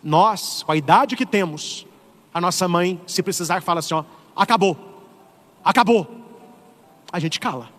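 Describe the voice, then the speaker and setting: A middle-aged man with a Brazilian Portuguese accent, a priest preaching an animated, humorous sermon. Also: high voice, normal speed, big-room sound, soft background music. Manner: animated, humorous, acts out voices. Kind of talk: lively sermon.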